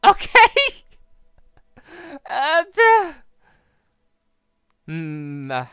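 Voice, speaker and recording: Animated, bright-voiced man commentating on a game. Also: very high-pitched, drawn-out words, no room sound, studio quality. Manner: animated, reactive. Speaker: gaming channel host. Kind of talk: casual let's play commentary.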